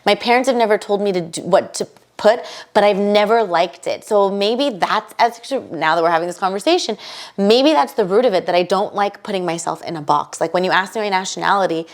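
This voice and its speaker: A woman from the United States, a guest on a podcast, talking in a casual, animated and emphatic way with many quick asides. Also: medium pitch. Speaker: podcast guest, bridal fashion entrepreneur. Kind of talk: casual conversational interview.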